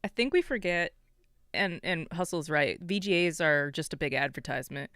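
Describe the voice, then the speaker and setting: A woman's voice: low voice, expressive, normal speed, a bit bright, no room sound, clean studio sound. A woman on a gaming podcast panel bantering casually, with wry, blunt remarks.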